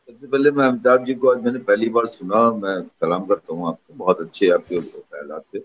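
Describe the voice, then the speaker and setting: Fast-talking middle-aged man on a panel. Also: lowish voice, slightly rough. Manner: quick, piling up lists of examples. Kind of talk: panel debate argument. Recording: muffled lo-fi audio.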